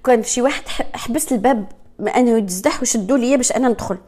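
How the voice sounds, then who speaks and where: A woman with a Moroccan accent speaks to her viewers, rushing quickly through her words. Her voice sits a little high but has a warm, dark colour. She talks earnestly and slips French and English words in as she goes. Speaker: speaker sharing her own experience. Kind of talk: personal talk to viewers.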